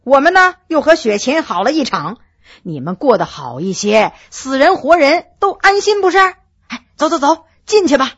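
A woman's voice: sits high, sing-song, normal speed, a bit bright. A woman doing a kindly, coaxing nobleman. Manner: coaxing, chatty. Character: friendly male nobleman, persuasive and kindly.

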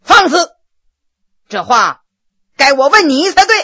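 A woman's voice: sits high, very animated, unhurried, a bit bright, exaggerated voice. A woman voicing a harsh, scolding male magistrate in a spoken storytelling. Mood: stern. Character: stern, flustered male magistrate.

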